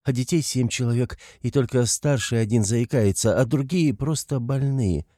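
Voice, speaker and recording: A timid poor young woman who pleads in soft, halting, flustered words, as a male reader raises his voice to play her. The tone stays mellow and dark-edged under the lifted pitch. The recording is close and dry. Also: no room sound, lightly acted. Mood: shy.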